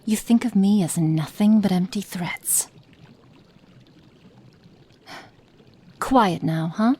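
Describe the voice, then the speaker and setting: A woman with a mid-range, slightly rough voice voices a heartless, cold witch who experiments on a captive for an ASMR roleplay. She talks slowly and threateningly and eases into soft whispers.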